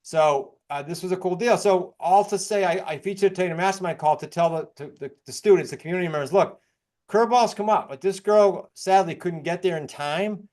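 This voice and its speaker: A man from New England with an American accent, presenting case studies as an informal, fast-talking real estate coach. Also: high voice, a little mellow. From New England, United States. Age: middle-aged or older.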